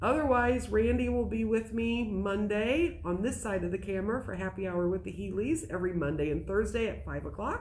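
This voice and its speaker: With audible room echo and noticeable background noise, a woman talks at a fairly quick pace with hardly any pauses. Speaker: quilt shop owner and sewing show host. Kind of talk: live-stream sewing tutorial.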